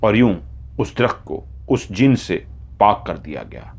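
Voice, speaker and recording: A man's voice: on the low side, very animated, a little slow, vocal fry. A man narrating a horror story in a dramatic storytelling manner.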